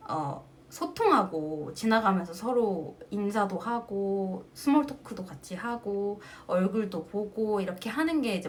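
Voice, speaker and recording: A woman chats casually with her fans over a livestream, her pitch swinging widely as she tells stories. She laughs often between phrases and keeps an easy, animated way of talking. The sound comes through a phone mic. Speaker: singer hosting a fan livestream.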